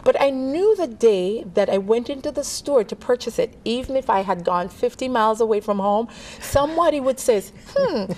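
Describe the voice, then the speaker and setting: A woman's voice: on the high side, lively intonation, moderate pace, hardly any pauses, poor audio. Laughing woman pastor from Jamaica. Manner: warm storytelling, laughs often. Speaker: pastor, guest. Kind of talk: casual interview chat.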